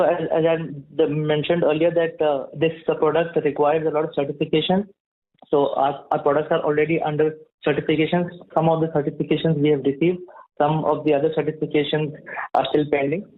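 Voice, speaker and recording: A muffled, narrow phone line carries a higher-pitched Indian man's voice. He speaks as a company executive answering investors, semi-formal and halting, with frequent repeated words. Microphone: conference call line.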